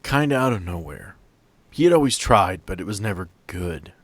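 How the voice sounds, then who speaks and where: A man playing an artist's guarded, wistful daughter in a tabletop game, speaking in halting, subdued short phrases. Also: low-pitched, lively intonation, dry recording, voice pushed down. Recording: music behind the voice.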